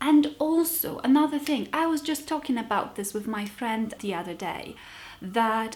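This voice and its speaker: Lively in intonation, a woman with a Polish accent speaks at a fairly slow pace in a high pitch. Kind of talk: unscripted vlog monologue. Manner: halting.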